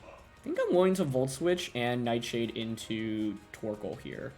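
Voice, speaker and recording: A man's voice: mid-range voice, very animated, measured pace, darkish tone, faint music behind. A young man commentating his own competitive video game battle, thinking aloud and second-guessing his plays. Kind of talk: live gameplay commentary.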